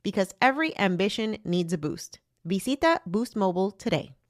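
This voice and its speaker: A woman's voice: mid-range voice, very animated, normal speed, dry recording, soft background music. Woman reading an ad, dry sound. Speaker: podcast host reading an ad. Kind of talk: scripted ad read mixing English and Spanish.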